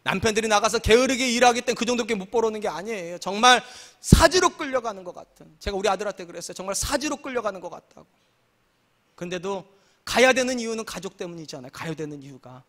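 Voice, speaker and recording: Quick-talking, high-voiced male pastor. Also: lively intonation, fairly bright tone. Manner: humorous, conversational preaching with acted quotes. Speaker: senior pastor. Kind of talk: sermon. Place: church sanctuary.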